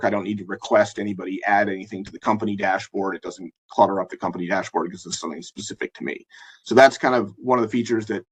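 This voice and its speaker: A man with a hoarse, husky voice presenting a live software demo in a webinar, talking in a halting way with many fillers and restarts. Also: fairly low pitch, low-quality recording. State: hoarse, losing his voice.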